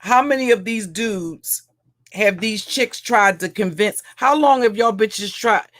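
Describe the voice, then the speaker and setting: A woman with a heavy, deep voice, ranting as a livestream commentator in a mocking, profane way, often repeating and restarting her phrases. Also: unhurried, fairly bright tone. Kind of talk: profane roast rant.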